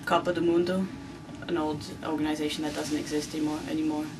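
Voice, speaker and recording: A woman speaks with a very deep, low voice. Noticeable background noise and audible room echo come through. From Brazil. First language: Portuguese. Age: 20s. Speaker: jiu-jitsu competitor and instructor. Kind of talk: interview. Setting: grappling camp after class.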